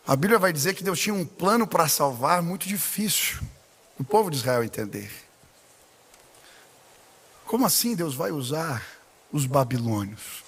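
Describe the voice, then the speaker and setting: A man with a Brazilian Portuguese accent preaching a sermon as pastor, telling stories animatedly and building to shouted exclamations. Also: medium pitch, husky. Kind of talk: sermon with personal storytelling. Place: large church sanctuary. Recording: long hall reverb in a church.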